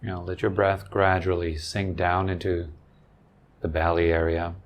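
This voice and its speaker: A man leading a guided meditation as a teacher, giving calm, gentle instructions in short phrases with long pauses. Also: low-pitched. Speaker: meditation teacher and podcast host.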